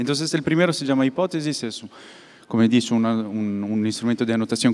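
Pitch varying in an ordinary way, the man speaks very quickly. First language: not Spanish (speaking Spanish). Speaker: researcher; conference presenter. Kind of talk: conference presentation; conference talk. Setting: conference hall, university. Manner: halting, many fillers and repeats. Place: hall. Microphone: handheld.

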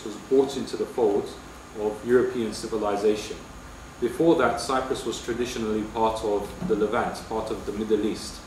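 A man speaks with audible room echo. Light background noise sits behind him. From Turkish Cypriot community. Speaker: seminar speaker. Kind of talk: lecture. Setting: community hall with audience. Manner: hesitant with frequent fillers. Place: hall.

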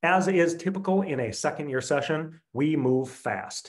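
In a quiet background, a man speaks with ordinary pitch variation. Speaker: presenter. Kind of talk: webinar presentation. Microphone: webcam.

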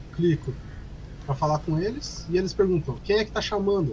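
Noticeable noise sits in the background. The talking runs at a fairly quick clip. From Brazil, Paraíba. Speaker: gamer. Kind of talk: casual chat.

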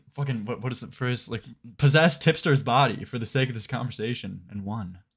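An animated, somewhat breathy male voice with ordinary pitch variation over a quiet background. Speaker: streamer. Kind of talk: heated debate. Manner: animated, excitable, swearing and interrupting. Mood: amused, laughing. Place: home room.

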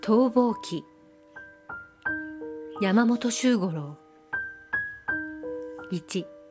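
Over music in the background, a woman speaks very slowly in a soothing tone with long, frequent pauses. Her fairly high voice swings very widely in pitch. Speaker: audiobook narrator. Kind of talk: literary fiction reading.

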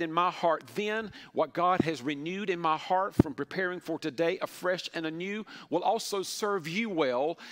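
With ordinary pitch variation, a man talks in a high voice for his sex. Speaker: pastor. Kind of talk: sermon. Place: church.

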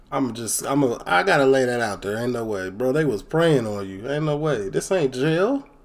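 A man's lively intonation at a moderate pace, hardly any pauses. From Chicago. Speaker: reaction streamer. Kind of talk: casual reaction commentary. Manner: animated. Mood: incredulous, animated.

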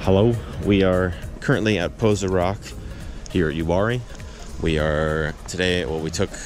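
Over faint music in the background, a man with a very deep, low voice speaks with ordinary pitch variation, the sound dry with no echo. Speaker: off-road vlogger. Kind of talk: casual vlog chat. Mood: relaxed, content. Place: forest. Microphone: phone near.

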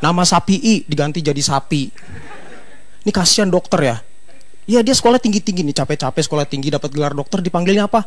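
The delivery is animated, with lively intonation. It moves at a very fast pace. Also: man, high pitch for a man. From Tanjung Priok, Jakarta. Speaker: stand-up comedian. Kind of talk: stand-up comedy set with audience. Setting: stage with audience, TV show. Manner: animated, punchline-driven delivery with exaggerated mimicry; fast, casual slangy Jakartan patter. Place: stage. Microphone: handheld.

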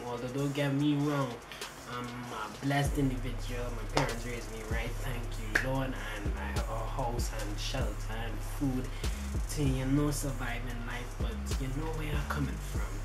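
Over clear background music, a man talks at a fairly slow pace. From Trinidad and Tobago. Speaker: fitness vlogger. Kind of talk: casual talk to camera. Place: home room. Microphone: webcam.

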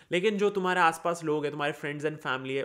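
With a quiet background, a man's voice sits fairly high. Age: 20s. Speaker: YouTuber. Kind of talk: unscripted monologue. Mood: earnest advice. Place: home room.

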